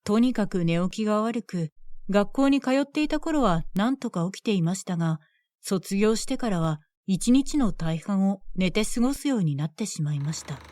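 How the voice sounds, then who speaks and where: A woman telling a folk tale as a bedtime story in a gentle, measured way. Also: medium pitch, expressive, no echo, studio quality.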